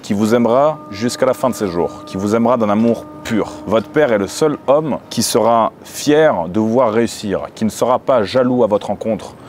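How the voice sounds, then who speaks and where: A man in his twenties vlogging with his mother, chatting casually and turning to a confident, persuasive pitch. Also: normal speed, hardly any pauses, darkish tone, soft background music. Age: 20s. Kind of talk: casual chat and sales pitch.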